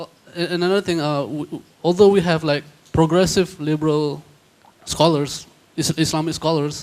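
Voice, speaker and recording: A man's fairly high voice with a Malaysian accent, moderate in pace and fairly even in intonation. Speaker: audience member at forum. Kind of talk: audience question at roundtable. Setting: conference room. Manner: halting, many repetitions and false starts.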